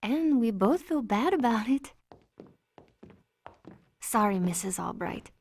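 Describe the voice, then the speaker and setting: A woman's voice: a little high, animated, slow, a little mellow, a little hiss or hum. A woman playing a friendly, casual young woman with a breezy, teasing way of talking in a naturalistic video game style. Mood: breezy, playful. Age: young adult.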